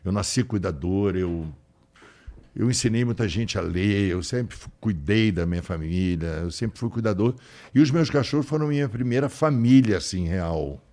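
Chatty man, low voice. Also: expressive, normal speed. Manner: warm, rambling, affectionate storyteller with frequent restarts. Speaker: guest. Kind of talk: casual interview chat.

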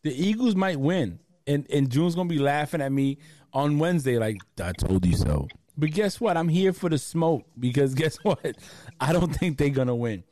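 Animated slangy man, dry close sound. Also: fairly high pitch, normal speed, dry recording. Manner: animated, slangy, repeats words. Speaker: podcast host. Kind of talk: casual sports chat.

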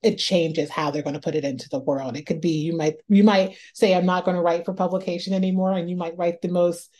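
A woman's voice: fairly low pitch, steady tone, fairly quick, dark tone. A woman from Northeast Ohio, an author talking through her writing life in a reflective interview, often repeating words as she thinks aloud. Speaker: author guest.

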